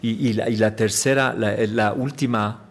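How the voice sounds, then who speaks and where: A man's voice: fairly low pitch, fairly even intonation, moderate pace, slight background noise. A man from Chicago with an American accent, a native English speaker, struggling through Spanish with many fillers and English words as an interview guest. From Chicago, USA. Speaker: watch company founder, guest. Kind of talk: interview answers.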